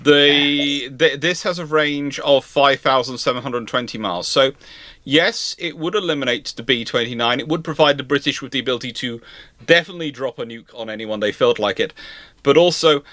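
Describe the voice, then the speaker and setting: A man's voice: mid-range voice, fairly quick, pushed and bright, no echo. A man hosting a casual live discussion with technical commentary, emphatic and often repeating words as he thinks. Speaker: host of a live naval history discussion.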